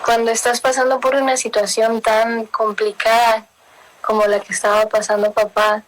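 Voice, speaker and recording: A woman's voice: fairly high pitch, flat delivery, normal speed, slight background noise, low-quality recording. A young woman with a Mexican-tinged Spanish accent, telling family stories in a casual interview and slipping in English words. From Miami. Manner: warm storytelling, mixing in English words, laughs often. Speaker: interview guest.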